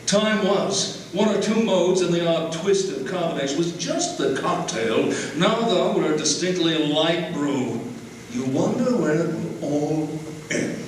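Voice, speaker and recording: An actor playing a vain, bored robot car warrior who gripes pompously in a live dramatic script reading. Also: male voice, a little high, expressive, unhurried. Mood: indignant griping. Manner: pompous, theatrical griping. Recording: very echoey noisy hall from far off.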